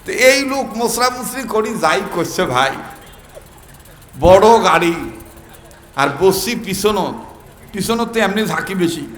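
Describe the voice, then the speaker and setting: A male preacher with a Rangpur dialect, telling a comic story and shouting questions out to his listeners. His voice sits high and sounds sharp and bright. It rings with long echo through loudspeakers over a murmuring crowd. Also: animated, measured pace, pauses often, slight background noise. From Bangladesh. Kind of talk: humorous sermon at a religious gathering.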